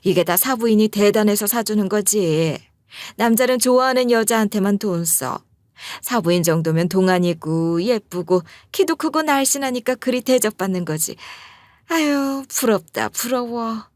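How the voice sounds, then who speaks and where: A woman voicing a wealthy, blunt older mother-in-law who talks loudly and freely. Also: mid-range voice, expressive, normal speed, dry recording, natural voice. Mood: gushing. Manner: shrieking insults, then gushing.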